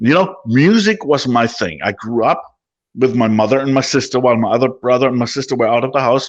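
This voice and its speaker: Here is a German accent. The delivery is fairly quick. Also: man, medium pitch for a man, ordinary pitch variation. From Germany. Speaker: former extremist. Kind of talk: testimony.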